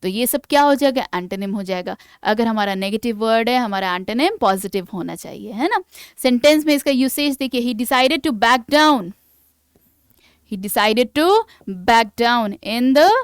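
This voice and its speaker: A woman teaching English vocabulary in Hindi mixed with English, asking the class questions and reading definitions aloud slowly in an Indian English accent. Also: a little high, clean tone, dry recording, studio quality. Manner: asks the class rhetorical questions. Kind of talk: online exam-prep lesson.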